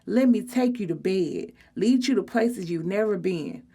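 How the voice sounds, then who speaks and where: A woman's voice: mid-range voice, expressive, measured pace, dark tone, husky. A woman voicing a cheeky, defiant young girl, a mouthy little sister in a storybook. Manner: sassy, mouthy.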